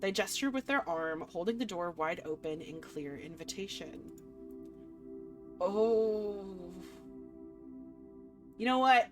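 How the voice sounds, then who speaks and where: A woman reading a visual novel aloud as a game streamer, mixing expressive narration with casual, playful reactions. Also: mid-range voice, takes it slowly, long pauses. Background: faint music.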